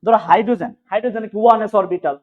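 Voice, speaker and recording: A man teaching chemistry in an online exam-prep class, drilling students with quick repeated questions. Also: sits high. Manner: fast, repetitive question-and-answer drilling. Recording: phone-like narrow sound.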